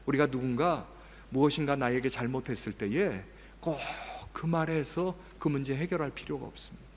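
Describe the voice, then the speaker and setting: A man preaching a sermon as pastor, swinging between hushed and loud, emphatic passages. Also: medium pitch, moderate pace, a little hiss or hum. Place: church sanctuary. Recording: long reverb of a church hall.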